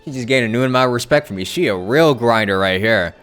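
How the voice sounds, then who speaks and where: Clear-voiced young male game streamer. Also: medium pitch, fast talker, a bit bright, soft background music. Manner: slangy, repetitive, reacting loosely. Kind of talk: casual live gameplay commentary.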